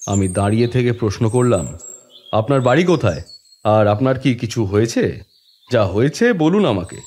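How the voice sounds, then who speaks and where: An actor playing a calm, authoritative police inspector who narrates his own case in a dramatised detective story, measured and composed. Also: mid-range voice. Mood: calm, official. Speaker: story reader and lead actor. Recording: long reverb, music bed behind.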